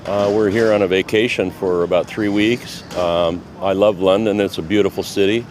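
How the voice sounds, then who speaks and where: A man on vacation gives a street interview outdoors and hesitates between phrases with frequent fillers. His voice is fairly low, and faint traffic noise sits in the background. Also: fairly even intonation, normal speed, darkish tone. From United States. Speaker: tourist being interviewed.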